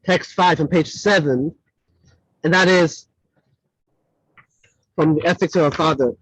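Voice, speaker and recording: Animated man teaching a class. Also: on the high side, measured pace, slightly rough, no room sound. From Switzerland. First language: not English. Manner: animated, self-correcting, chatty asides. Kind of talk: classroom lecture with audience questions. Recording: dull lo-fi dry recording.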